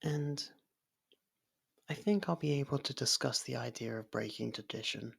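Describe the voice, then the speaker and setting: A performer voicing a gentle, lovestruck faerie in an intimate ASMR roleplay, breathy and half-whispered, speaking in a hesitant, halting way. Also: mid-range voice. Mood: wistful, hesitant. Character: soft-spoken, lovestruck young faerie royal, shy, possessive.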